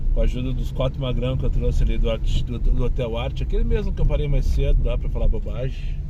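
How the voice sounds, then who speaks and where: A man speaks at a very fast pace with hardly any pauses. Audible room echo and noticeable background noise are present. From southern Brazil, Porto Alegre. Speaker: rideshare driver vlogger. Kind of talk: casual vlog monologue. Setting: in a car.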